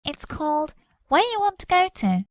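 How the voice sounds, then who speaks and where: Woman voicing a cheery, high-pitched magical talking ball. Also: big pitch swings, normal speed, no room sound, highs cut off. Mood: cheerful, enticing.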